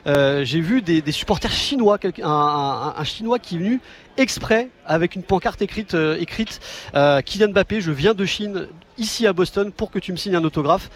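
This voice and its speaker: A man's voice: high voice, lively intonation, moderate pace. A man reporting live for the news from outdoors on a city street, talking with many fillers and restarts. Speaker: field reporter.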